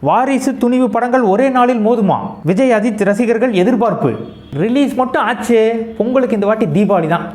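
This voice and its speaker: A man's voice: extremely high pitch, a little fast, darkish tone. A man hosting a comedy news show, reading each headline and then mocking it with sarcastic asides. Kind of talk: satirical news reading with quips.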